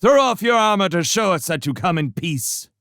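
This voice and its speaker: A man voicing a harsh, unafraid female badger who shouts commands. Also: high voice, big pitch swings, moderate pace, no room sound, studio quality, voice pushed up. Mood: defiant.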